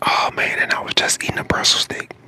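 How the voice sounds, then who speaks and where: A man in his twenties from St. Louis, hoarse and getting over a lost voice, chatting casually to his live stream in a whisper that cracks in and out. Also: quick pace, sharp tone. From St. Louis, Missouri, USA. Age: 20s. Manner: whispering throughout.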